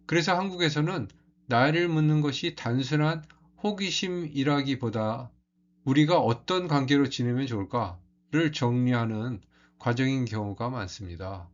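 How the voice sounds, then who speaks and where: A man teaching as a language teacher, explaining culture in a calm, measured way. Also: medium pitch, lo-fi sound.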